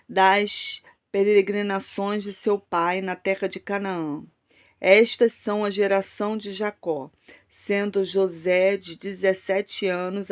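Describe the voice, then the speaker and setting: Brazilian woman pastor preaching with a cold. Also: medium pitch. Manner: emphatic, repetitive religious exhortation. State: has a cold and allergy. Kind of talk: fervent prayer, preaching and scripture reading.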